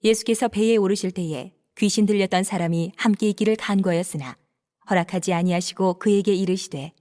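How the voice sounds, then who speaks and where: A woman narrating scripture in a steady, measured reading. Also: medium pitch.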